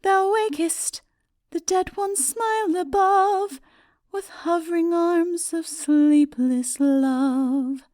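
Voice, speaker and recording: Woman performing ancient fairy dame, high slow singing. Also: a little mellow, no echo, clean studio sound, soft background music. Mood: tender, solemn. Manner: sings in slow, drawn-out phrases. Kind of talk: sung verse in a dramatic audiobook reading.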